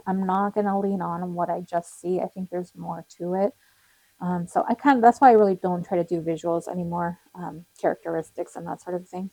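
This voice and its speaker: A young woman giving a casual tarot card reading, chatty and rambling with little laughs, her voice hoarse and cracking. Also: lowish voice, mellow, dry recording, poor audio. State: losing her voice, slightly cracking.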